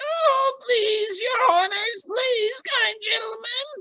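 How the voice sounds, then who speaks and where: The put-on character voice is extremely high. It moves at a very slow pace. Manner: whimpering, pleading.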